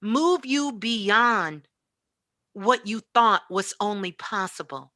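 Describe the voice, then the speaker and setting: A woman speaks as a spiritual teacher in a bright, forceful voice. The sound is dry, and she drives her points home emphatically, repeating phrases as she motivates the listener. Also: mid-range voice, expressive, slow pace, no room sound. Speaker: spiritual teacher and show host, as guest.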